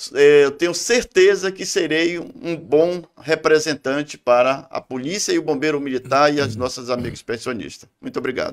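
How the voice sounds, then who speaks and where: A man's fairly high voice at a moderate pace, with ordinary pitch variation and hardly any pauses. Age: 60s. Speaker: military police sergeant and political candidate. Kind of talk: closing statement. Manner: halting.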